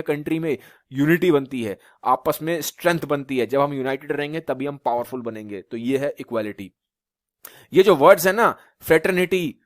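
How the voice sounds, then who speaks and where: A man from Uttar Pradesh gives a classroom lecture in a slightly high voice. He keeps asking rhetorical questions and checks with his students as he explains. The sound is dry and close, with no room echo. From Uttar Pradesh, India. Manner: repetitive rhetorical questions, frequent "theek hai" checks. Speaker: teacher. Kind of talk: classroom lecture in Hindi mixed with English.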